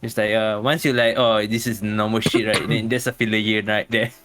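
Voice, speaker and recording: A man's voice: on the low side, level tone, a little fast, background noise. A man chatting casually as a guest on a stream. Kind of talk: casual chat.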